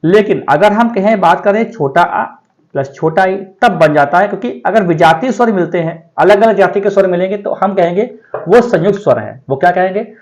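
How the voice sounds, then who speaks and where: Male teacher, high voice, exam-prep lecture, keeps asking the class and answering himself. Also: animated, moderate pace. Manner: asks the class questions and answers them himself, often adds "theek hai". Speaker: Hindi grammar teacher.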